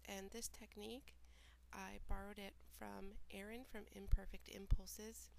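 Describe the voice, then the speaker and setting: A woman with a stuffy, nasal cold, calmly talking through the steps of a craft tutorial in a voiceover. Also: medium pitch, measured pace, gravelly, a little hiss or hum, rough recording. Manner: relaxed, plain step-by-step explaining with small asides. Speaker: mixed media artist. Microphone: home voiceover recording.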